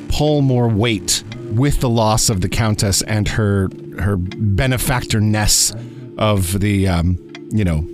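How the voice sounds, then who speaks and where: A man casually recapping his tabletop character, hesitating and repeating phrases as he thinks. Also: fairly low pitch. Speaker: podcast producer and player. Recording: music behind the voice.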